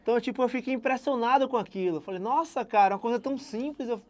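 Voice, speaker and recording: A young man from Salvador with a Bahian accent, a guest telling his career story in relaxed casual chat and laughing at himself. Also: very high voice, fast talker. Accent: Bahian Brazilian Portuguese. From Salvador, Brazil. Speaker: guest software engineer.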